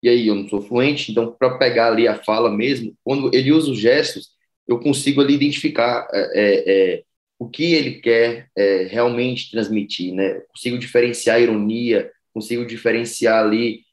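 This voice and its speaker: A man's voice: medium pitch, moderate pace. A male university student talking chattily over a video call, sharing his experiences in a class discussion. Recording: roomy echo.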